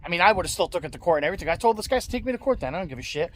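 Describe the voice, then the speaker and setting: A man's voice: high voice, animated, rapid-fire, slight background noise. A man talking casually on his vlog, blunt and venting, swearing freely and restarting his sentences often. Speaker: scrap-metal vlogger. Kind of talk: casual rambling vlog talk.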